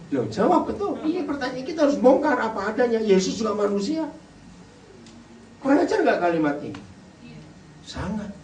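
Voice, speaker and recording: Animated male preacher in a roomy hall. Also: medium pitch, far from the mic. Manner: animated, pushes the audience with repeated questions. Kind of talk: lively sermon at a family gathering. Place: indoor hall with an audience. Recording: roomy hall sound, voice off-mic, faint background hiss.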